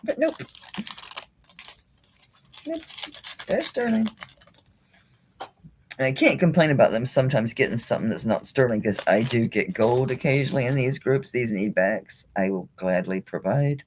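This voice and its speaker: A woman's voice: a bass voice, expressive, a little fast, hardly any pauses, darkish tone, a little hiss or hum, poor audio. A woman hosting a live jewelry auction in a chatty, casual way, laughing often and talking to herself as she handles items. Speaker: online jewelry seller.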